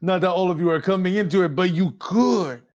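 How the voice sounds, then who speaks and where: A man's voice: high voice, a little fast, darkish tone, highs cut off. A man running a tabletop roleplaying game as game master, narrating casually.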